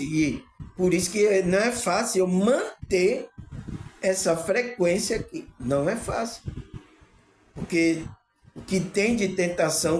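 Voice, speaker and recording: A man giving an informal spiritual talk to his viewers, rambling and often checking in with the audience through tag questions. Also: high-pitched. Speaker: spiritual channel host. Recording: echoey room with faint ambient noise.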